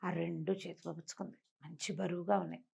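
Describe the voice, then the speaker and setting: A woman's voice: on the low side, flat delivery, fast talker, creaky, warm tone, slightly rough. A woman storyteller telling a moral tale conversationally, repeating phrases and asking rhetorical questions.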